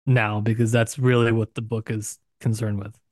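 A man's voice: fairly low pitch, level tone, normal speed, no echo, studio quality. A man co-hosting a podcast book discussion, talking in an earnest, explanatory way. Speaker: podcast co-host.

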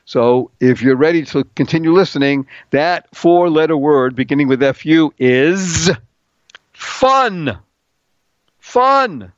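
A man's voice: on the high side, expressive, slow, no room sound, highs cut off. A middle-aged man hosting a talk radio show, playful and upbeat, spelling out words letter by letter and singing little bits.

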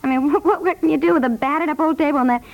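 A fairly high-pitched American housewife chatters and frets, repeating herself as she gets flustered. The delivery is 1950s radio comedy, heard on a vintage broadcast recording. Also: very fast. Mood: flustered, incredulous. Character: fretful, chatty married housewife, grudging about giveaways.

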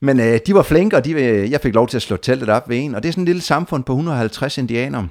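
Danish man telling a wild travel tale. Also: medium pitch. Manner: animated, restarts and repeats words. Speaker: guest adventurer telling a trip story. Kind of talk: casual storytelling in conversation.

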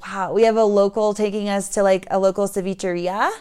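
A woman with a slightly hoarse voice, hosting a casual, informal podcast chat. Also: medium pitch, steady tone, fairly quick, dark tone. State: slightly hoarse from screaming and talking. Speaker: podcast host.

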